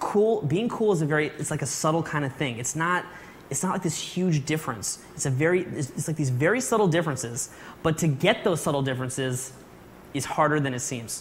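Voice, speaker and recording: Speaking at a fairly quick pace, a man uses lively intonation in a somewhat breathy voice. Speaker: dating coach. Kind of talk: seminar talk. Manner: halting.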